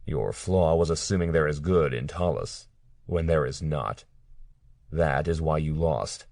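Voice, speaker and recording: A man voicing a cold, menacing male captor in an audiobook, speaking quietly and mockingly. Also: extremely low pitch, measured pace, vocal fry, no room sound, studio quality, heavily acted. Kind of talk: audiobook character reading.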